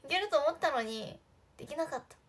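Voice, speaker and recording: A woman's voice: high voice, expressive, fast, a little hiss or hum. A young woman chatting casually on a livestream, giggling often and talking to viewers' comments. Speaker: idol livestream host.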